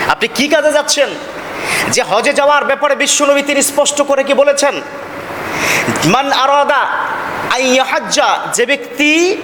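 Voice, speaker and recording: A Bangladeshi man delivers an Islamic sermon in a high-pitched voice. He tells stories, asks rhetorical questions and prompts his listeners. The recording has long hall reverb and clear background noise. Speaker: Islamic preacher. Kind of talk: sermon to a congregation, with anecdotes and Arabic quotations.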